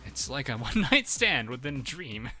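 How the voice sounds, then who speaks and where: A man's voice: mid-range voice, big pitch swings, normal speed, sharp tone, faint music behind. A man doing a sly, sing-song bear mascot. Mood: gleeful teasing. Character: mischievous male bear mascot, gleeful, teasing. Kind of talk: reading game dialogue in voice.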